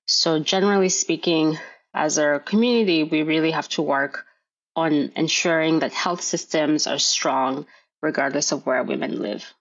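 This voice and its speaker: A middle-aged woman from Kenya, a gynecologist guest explaining health issues in a measured way on a podcast. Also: sits low, steady tone, dull audio. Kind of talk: podcast interview.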